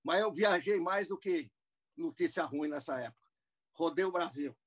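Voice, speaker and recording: A U.S.-born businessman in his seventies tells his life story at length in a video-call interview from a room at home. His voice is husky and on the high side, slightly raised, at a moderate pace. He rambles through asides and frequent restarts.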